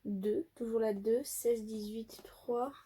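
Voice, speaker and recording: A woman's voice: on the high side, steady tone, takes it slowly, warm tone, breathy edge. A woman vlogger chatting casually through an unboxing, thinking aloud with lots of fillers. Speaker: beauty vlogger.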